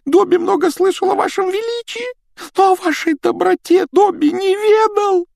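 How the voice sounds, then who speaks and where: A man voicing a tearful, groveling male house-elf with a shrill, squealing, wailing voice in an audiobook reading. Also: moderate pace, creaky, a little mellow, no echo, studio quality, exaggerated voice. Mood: pleading, fervent. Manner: squealing, wailing, self-pitying. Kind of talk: audiobook character voice.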